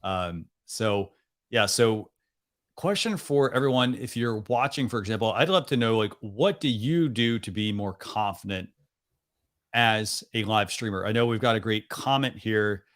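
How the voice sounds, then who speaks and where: A man's voice: lowish voice, measured pace, fairly bright tone. A young adult man hosting a live stream over a video call, chatting loosely with lots of "like" and "you know". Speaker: host. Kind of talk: casual live stream chat.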